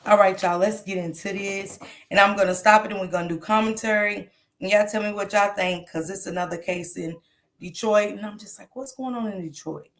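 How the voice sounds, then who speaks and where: A woman's voice: mid-range voice, fairly even intonation, fairly quick. A woman with a stuffy nose hosting a casual livestream, chatting straight to her viewers with lots of ums. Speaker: true crime commentary host.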